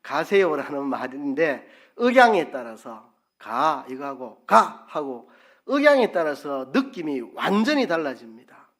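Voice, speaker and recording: A male pastor preaching a sermon in a church, lively and playful, acting out tones of voice to make his point. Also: fairly high pitch, moderate pace. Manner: lively, playful, demonstrates intonation by repeating syllables. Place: church sanctuary.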